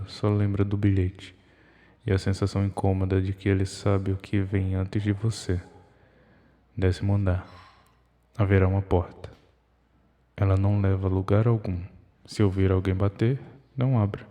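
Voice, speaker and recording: A man reading a scripted horror story in the second person, measured and ominous, in short broken phrases. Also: low voice, dark tone. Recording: long hall reverb.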